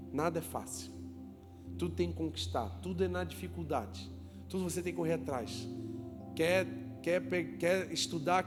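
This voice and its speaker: A man with a high voice preaches to a congregation in a church, joking with the crowd, asking them questions and calling for applause. His voice rings out with a long reverb in the church hall. Soft music plays underneath. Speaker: pastor. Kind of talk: lively sermon to a congregation.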